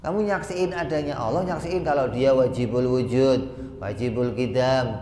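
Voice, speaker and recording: A man giving an Islamic study lecture in a conversational way, often firing rhetorical questions at his listeners and chanting lists of terms in a steady cadence. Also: medium pitch, normal speed. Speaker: religious teacher. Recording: echoey hall with faint background noise.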